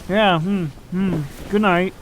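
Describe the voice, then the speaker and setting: A man puts on a weary male patient who wants his sleep, for an audio drama. The voice sits high and sounds irritable, over clearly audible noise. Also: steady tone, slow, poor audio. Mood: grumpy, sleepy. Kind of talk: amateur audio drama acting.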